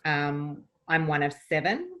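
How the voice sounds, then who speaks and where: Australian woman, 40s, low voice, upbeat, chatty, reminiscing podcast guest. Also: lively intonation, unhurried, a bit bright. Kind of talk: casual interview chat.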